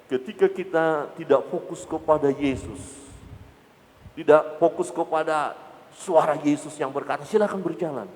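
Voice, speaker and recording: Pria pendeta berkhotbah di aula bergema. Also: male voice, normal speed, big-room sound. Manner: dramatic preaching, swings from loud bursts to low murmurs. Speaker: pastor. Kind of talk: sermon.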